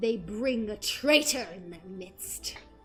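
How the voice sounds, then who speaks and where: In a growling, put-on character voice, a female-sounding speaker goes at a fairly slow pace with medium pitch while clear music plays in the background. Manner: growling, menacing.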